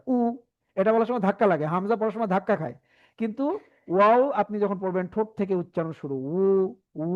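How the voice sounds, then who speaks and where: A man teaching a Quran reading class, patiently saying each letter sound slowly and having the class repeat after him. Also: high-pitched. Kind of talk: online class lesson. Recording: dull lo-fi.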